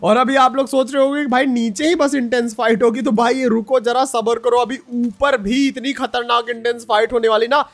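High-pitched excited young man narrating gameplay. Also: a little fast, few pauses. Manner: excited, chatty, addresses viewers as bhai. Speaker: gaming YouTuber. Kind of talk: gameplay commentary voice-over.

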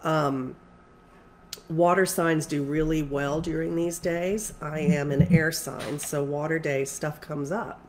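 A woman's voice: sits low, fairly even intonation, takes it slowly. A woman spiritual coach who is congested, talking casually and rambling with many fillers and restarts. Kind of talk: casual spiritual talk to camera.

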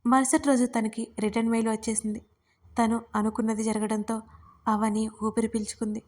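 A woman storyteller narrating a romance serial in a calm, steady audiobook reading. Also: on the high side, a little fast.

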